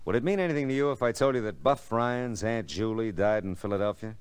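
An American actor playing a wry, terse private detective in old-time radio drama style. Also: male voice, on the low side, fast, clear, resonant tone, no echo, close to an everyday voice. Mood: cool, needling. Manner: terse, dry, sardonic. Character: hard-boiled, wry private detective, unflappable and needling. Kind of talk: 1940s-50s radio detective acting and narration. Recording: vintage radio drama with music.

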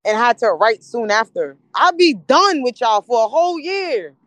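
A woman guest on a casual podcast who talks about her craft with plenty of emphasis, often saying a point twice in a row. Her voice sits a touch high. The sound is dry and close, with no room in it. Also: very animated, normal speed, a bit bright, no echo. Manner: emphatic, repeats phrases to drive a point. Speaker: podcast guest, battle rapper.

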